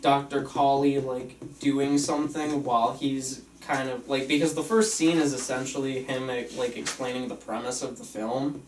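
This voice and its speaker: A man with a medium-pitched voice chats casually, feeling his way tentatively through suggestions. He sounds far from the mic in a roomy space with faint noise. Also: steady tone, moderate pace, few pauses. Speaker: participant giving script feedback. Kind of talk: casual chat.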